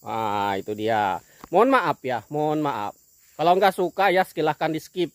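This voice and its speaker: A man's voice: a little high, lively intonation, normal speed, a bit bright, no echo. A man from with a speech impediment that blurs one sound. He is an oil palm farmer talking casually to camera outdoors in his plantation, apologetic and repetitive, often starting with "nah". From Kalimantan, Indonesia.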